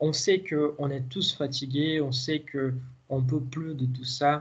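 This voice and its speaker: Very slow and somewhat breathy, a man talks at a medium pitch. His intonation is monotone and flat. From Brazil. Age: 30s. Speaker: university lecturer. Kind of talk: lecture. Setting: video call. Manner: halting.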